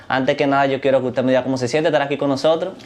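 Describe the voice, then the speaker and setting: A man hosting a Christian television show, asking his guest formal, devout questions at a drawn-out pace. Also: medium pitch, fairly even intonation. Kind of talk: interviewing a guest.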